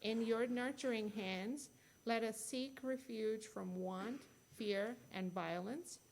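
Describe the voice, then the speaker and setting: A woman leading worship, reading a prayer aloud in a measured, solemn way. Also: a little high, gravelly, a little hiss or hum. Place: church sanctuary.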